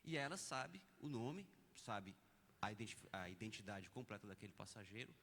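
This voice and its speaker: A man's voice: lowish voice, animated, normal speed, a bit bright. A man with a Brazilian Portuguese accent giving an academic lecture at a conference, explaining ideas step by step with examples. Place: conference auditorium. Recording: long reverb of a lecture hall.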